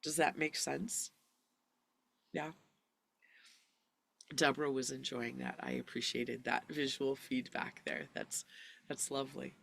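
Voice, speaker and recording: A woman teaching singing in a live online lesson, guiding breathing and relaxation in a gentle, encouraging way. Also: very deep voice, fairly even intonation, unhurried, gravelly, long pauses.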